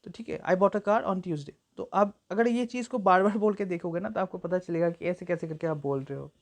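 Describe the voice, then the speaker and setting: A young woman tutor giving an exam-prep lecture, explaining at length with frequent fillers and slowing down to read example sentences aloud. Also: on the low side, darkish tone. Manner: reads English examples slowly and deliberately. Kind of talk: exam-prep lecture mixing Hindi and English.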